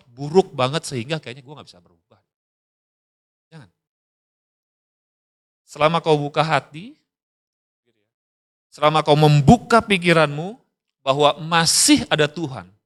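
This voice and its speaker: A man's voice: fairly high pitch, fairly bright tone. A middle-aged man, preaching a casual, slangy youth sermon and acting out quoted voices. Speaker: youth pastor.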